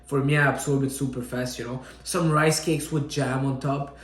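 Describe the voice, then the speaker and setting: A man from Syria giving casual fitness and diet advice straight to camera, energetic and often checking in with "all right?". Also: medium pitch, normal speed, echoey room. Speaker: fitness coach.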